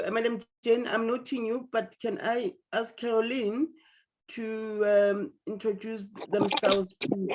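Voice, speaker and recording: A woman's voice: medium pitch, darkish tone. A woman hosting an online meeting, chatty and apologetic, teasing speakers and stumbling over restarts. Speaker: meeting host. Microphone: video call. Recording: dull lo-fi call audio.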